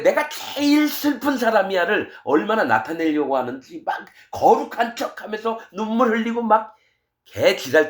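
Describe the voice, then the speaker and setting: A middle-aged man preaching a sermon as pastor, fiery and scolding, switching between loud outbursts and quiet asides. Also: high voice.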